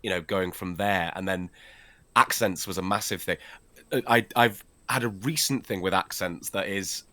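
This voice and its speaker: A Welsh-speaking man chatting casually as a guest while they play a game. His voice is slightly low but bright and forceful. He is playful and slips into quick impressions and accents. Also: no room sound. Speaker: guest voice actor. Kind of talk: casual chat while gaming.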